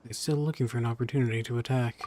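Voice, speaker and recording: A man's voice: medium pitch, steady tone, racing, darkish tone. A man giving casual, wry game commentary as a streamer, at times reading on-screen text aloud. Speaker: gameplay streamer.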